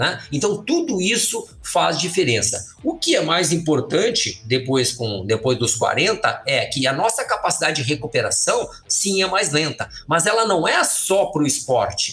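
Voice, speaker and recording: The pitch swings very widely, with hardly any pauses. Background noise is noticeable. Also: man, high pitch for a man. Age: 50s. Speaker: triathlon coach and former pro triathlete. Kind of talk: interview.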